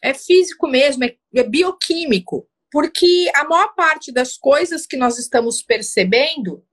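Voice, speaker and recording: A woman's voice: high voice, animated, measured pace. A woman relationship coach giving firm, assertive advice to a caller, often checking in with short asides. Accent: Brazilian Portuguese.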